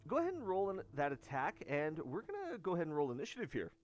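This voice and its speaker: Lively man running a tabletop game. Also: a little high, quick pace. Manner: animated, laughs often. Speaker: game master.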